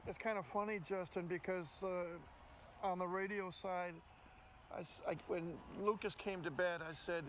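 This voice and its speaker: A man's voice: high voice, fairly even intonation, normal speed. An older American man, a play-by-play announcer, talking sports as a co-host and repeating words for emphasis. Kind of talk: sports commentary chat. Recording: faint ambient background noise.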